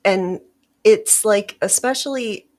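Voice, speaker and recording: A woman's voice: mid-range voice, takes it slowly, darkish tone. A woman hosting a podcast, chatting casually and upbeat, laughing often. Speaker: podcast host. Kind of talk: casual interview chat.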